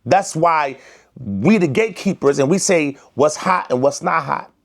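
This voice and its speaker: A man from the United States gives emphatic, preachy direct-to-camera commentary as a vlogger, speaking African American Vernacular English and using lots of slang. His voice is fairly high and gravelly, and a little slow.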